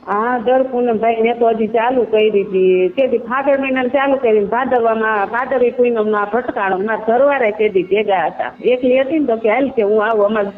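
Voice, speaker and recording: A woman's voice: on the high side, moderate pace, hardly any pauses. Kathiawadi woman on a tinny phone line. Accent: Kathiawadi Gujarati. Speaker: caller telling their own story. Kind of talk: informal personal account on a phone call. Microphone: telephone line. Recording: tinny narrowband phone call recording.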